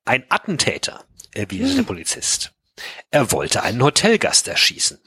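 Bright, husky man reading a story aloud. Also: mid-range voice, wildly swooping pitch, normal speed, no room sound. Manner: reads narration aloud with dry asides. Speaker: podcast co-host reading a serialized story aloud. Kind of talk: casual podcast chat with read-aloud story.

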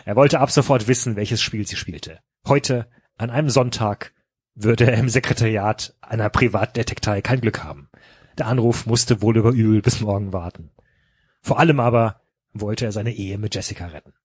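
A man's voice: fairly low pitch, normal speed, breathy edge, no room sound, studio quality. A man co-hosting a football podcast, reading a novel aloud with playful character voices and joking between passages. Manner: reads with playful voices for the characters, breaks off to joke and laugh. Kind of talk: casual chat with dramatized reading.

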